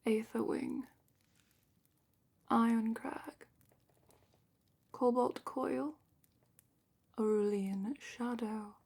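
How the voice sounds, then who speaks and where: Woman acting as a calm dragon keeper, husky whisper, creaky edges, gently wry, slow deliberate phrasing, close-miked fantasy ASMR roleplay. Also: fairly high pitch, exaggerated voice. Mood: calm, instructive. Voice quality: breathy whisper and soft-spoken murmur. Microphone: close ASMR microphone.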